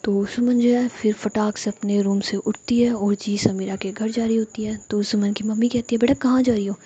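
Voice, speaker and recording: A woman's voice: medium pitch, level tone, moderate pace, dark tone, breathy edge, dull audio. A woman narrating a love story in a casual, conversational way with frequent fillers.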